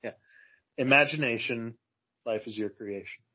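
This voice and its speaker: Husky man on lo-fi podcast audio. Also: medium pitch, normal speed. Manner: relaxed, agreeable, many yeahs. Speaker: podcast co-host. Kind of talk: casual chat.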